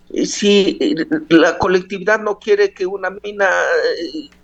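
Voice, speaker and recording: Speech unfolds at a very slow pace. Its pitch variation is ordinary. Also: man. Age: 70s. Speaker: government minister. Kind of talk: radio interview. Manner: hesitant, repeats words.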